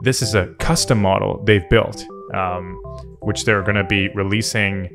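A man's voice: lowish voice, steady tone, a little slow. A man hosting a tech video, giving casual off-the-cuff commentary in a hesitant, thinking-aloud manner. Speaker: tech video host and software developer. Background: background music.

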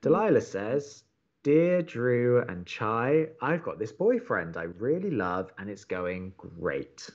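A man's voice: mid-range voice, sing-song, slow pace, darkish tone, muffled recording. A man playing a blunt, wry young college radio co-host in a naturalistic audio drama. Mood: wry, upbeat.

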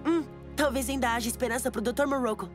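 A woman as a high-voiced earnest young boy. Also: quick pace, music in the background, natural voice. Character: earnest, curious young boy, hopeful and bright. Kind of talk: animated cartoon dub.

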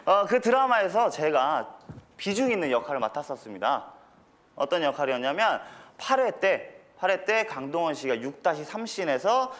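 A man on a comedy stage presenting a mock magic routine with deadpan, mock-serious asides. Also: on the high side, normal speed. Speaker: comedian doing a magic act. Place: TV studio stage with audience. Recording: stage audience and room noise.

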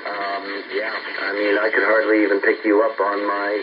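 A man chatting casually as a CB radio operator over a single-sideband link, folksy and hesitant, often pausing mid-phrase. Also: on the low side, completely flat delivery. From United States. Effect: single-sideband radio transmission. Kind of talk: casual two-way radio chat. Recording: muffled, noisy shortwave CB radio reception. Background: radio static.

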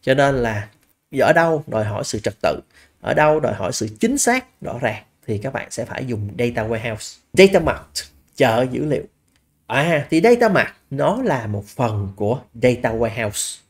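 A man's voice: mid-range voice, very animated, moderate pace. A man teaches over a slide deck, walking through each point in a plain conversational way. He poses rhetorical questions to his listeners and leans on small fillers as he thinks. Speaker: business analysis instructor. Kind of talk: slide lecture.

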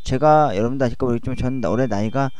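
A man in his forties talking slowly about his own life into a cheap home microphone, with a slight lisp, slurred diction and many hesitant fillers. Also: medium pitch, darkish tone, a little hiss or hum. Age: 40s. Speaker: YouTuber. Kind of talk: personal monologue over music. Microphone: cheap microphone at home computer. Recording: music playing behind voice.

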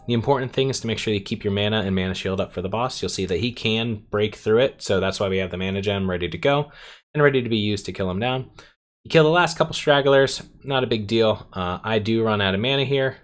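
A man's voice: lowish voice, fairly quick. A man giving step-by-step commentary over his own gameplay, explaining a dungeon strategy. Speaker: game guide creator.

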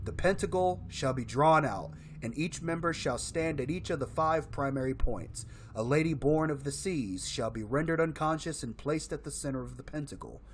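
Animated man commentating on a game. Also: a little high, moderate pace, hardly any pauses, slight background noise. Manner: expressive, reacting aloud to the game. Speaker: video game streamer. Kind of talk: casual gameplay commentary with read-aloud game text. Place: indoor room, solo gaming setup.

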